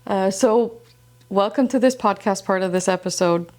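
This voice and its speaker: A woman from Iceland hosts a slow-living podcast about knitting and sewing. She talks calmly and gently, with a voice at a middle pitch, moving from reflective, scripted thoughts to relaxed chat. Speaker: podcast host. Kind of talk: scripted reflective narration, then casual chat. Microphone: wireless transmitter mic.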